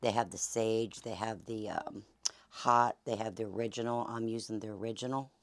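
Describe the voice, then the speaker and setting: Hoarse Southern woman chatting while cooking. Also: a bass voice, steady tone, normal speed, dry recording. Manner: chatty, folksy, many fillers. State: hoarse, losing her voice. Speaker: cooking channel host. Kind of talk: casual cooking demonstration. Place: home kitchen.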